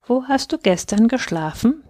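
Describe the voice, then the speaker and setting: A woman's voice: fairly high pitch, sing-song, normal speed, mellow, no room sound, clean studio sound, voice pushed up. A woman voicing Fatima, an indignant tribal wife who insists and accuses. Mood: accusing.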